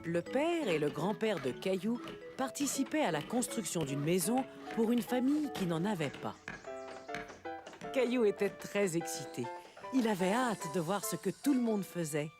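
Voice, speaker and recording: A woman's voice: mid-range voice, very animated, moderate pace, music in the background. A woman reading scripted storybook narration in French for a children's cartoon.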